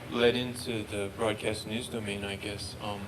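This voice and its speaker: A man presenting research and answering questions, halting and often repeating words. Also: fairly low pitch, little pitch movement. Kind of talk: research talk Q&A. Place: lecture room. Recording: noisy room recording.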